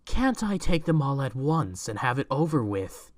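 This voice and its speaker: A man's voice: medium pitch, sing-song, moderate pace, no room sound, clean studio sound, lightly acted. A man playing an arrogant, skeptical young business tycoon in an audio drama, curt and dismissive. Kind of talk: fan audio drama acting.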